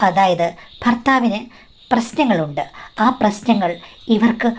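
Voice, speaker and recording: A woman's voice: mid-range voice, lively intonation, measured pace. A woman narrating a scripted first-person story in a confiding way, addressing the listener as madam.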